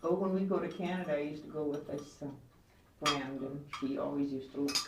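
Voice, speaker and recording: A woman's voice: deep voice, fairly quick. Older woman, distant in an echoey room. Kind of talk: casual chat. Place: indoors in a home. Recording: echoey room, distant mic, background noise.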